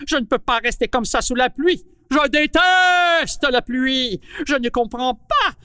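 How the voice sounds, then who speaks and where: A woman's voice: high-pitched, expressive, moderate pace, a bit bright, in a large hall. A woman voicing a grumpy male apple who hates the rain, indignant and exclaiming.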